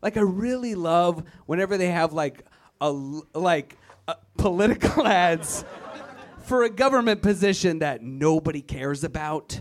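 Over noticeable background noise, a man with an American accent and a high pitch speaks at a moderate pace with lively intonation. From US South. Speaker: stand-up comedian. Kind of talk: stand-up. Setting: stage with audience.

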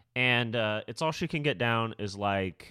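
Reading in a natural voice

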